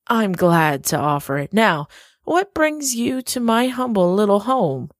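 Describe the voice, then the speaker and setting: An actress playing a gracious, slightly secretive woman host in an audio drama, speaking slowly and courteously. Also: medium pitch, animated, no room sound, studio quality, lightly acted.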